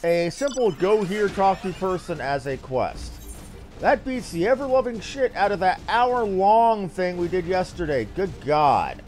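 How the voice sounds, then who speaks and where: A man's voice: high voice, big pitch swings, measured pace, darkish tone, faint music behind. A man giving casual, informal livestream commentary as he plays a game, with joking and some swearing. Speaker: game streamer.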